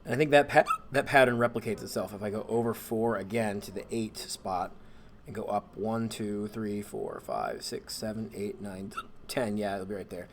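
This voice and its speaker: A man, a math teacher, relaxed and thinking aloud as he walks through homework problems and corrects himself along the way. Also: lowish voice, normal speed, a little hiss or hum. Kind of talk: homework walkthrough screencast.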